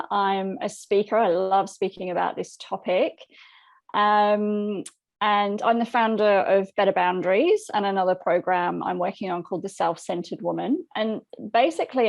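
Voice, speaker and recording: A middle-aged woman from England with an English accent tinged by Australia, a coach talking calmly and reflectively in a casual interview. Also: medium pitch, gravelly. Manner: calm, reflective, gentle. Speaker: boundaries coach and guest.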